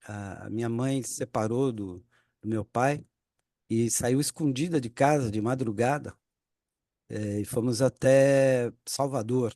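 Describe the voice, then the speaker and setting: A man talks at a very slow pace with long, frequent pauses, his tone dark and mellow, the sound dry and close with no echo against a quiet background. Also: medium pitch for a man, fairly even intonation. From Brazil, São Paulo (born in Bahia, left as a baby). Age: 60s. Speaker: poet. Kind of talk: interview. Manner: halting, many repetitions.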